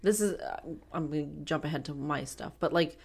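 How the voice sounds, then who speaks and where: A woman co-hosting a movie podcast, talking in a candid, rambling way with quick bursts of speech. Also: low-pitched, breathy edge. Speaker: podcast co-host. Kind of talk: casual movie-review chat.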